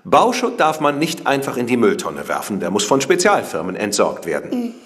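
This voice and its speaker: A man playing a friendly father who explains things calmly and matter-of-factly in a children's radio drama. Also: mid-range voice, moderate pace. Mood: calm, explaining. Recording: long hall reverb.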